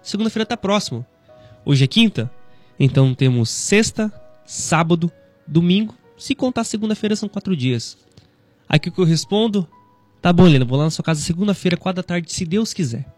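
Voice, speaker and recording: A man in his thirties with a Brazilian Portuguese accent, hosting a devotional radio talk in a conversational, gently preaching way, often tagging lines with "né". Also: sits high, expressive, fairly quick, soft background music. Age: 30s.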